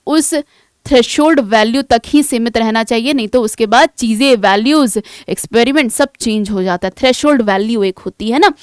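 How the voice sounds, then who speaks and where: A woman's voice: a little high, clear, resonant tone, no echo, clean studio sound. A woman teaching an exam-prep vocabulary lesson, explaining patiently, repeating key words and asking rhetorical check questions.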